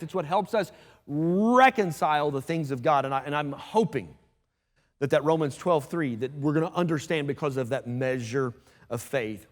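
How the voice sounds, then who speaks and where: Fast-talking pastor. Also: male voice, fairly high pitch. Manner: fast-talking, conversational preacher with asides. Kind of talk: sermon. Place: church sanctuary. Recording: long church hall reverb.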